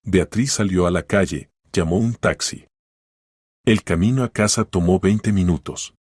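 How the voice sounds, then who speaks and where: A man narrating a story in a steady, measured way. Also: low-pitched, slightly rough, no echo, clean studio sound. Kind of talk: scripted narration.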